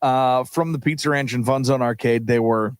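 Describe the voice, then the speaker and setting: A man, co-hosting a morning sports radio show and telling stories with excitement and frequent laughter. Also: medium pitch, normal speed, smooth, no room sound. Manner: excited storytelling, laughs often. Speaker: co-host. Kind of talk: casual sports radio chat. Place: radio studio.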